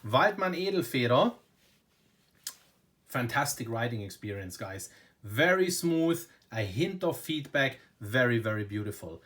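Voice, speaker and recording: A man's voice: mid-range voice, big pitch swings, a little slow, fairly bright tone. A man whose first language is German, speaking English with a German accent and casually reviewing a fountain pen at his desk, full of "very, very" and "you know". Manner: enthusiastic, repeats "very, very" and "you know". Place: indoors at a desk.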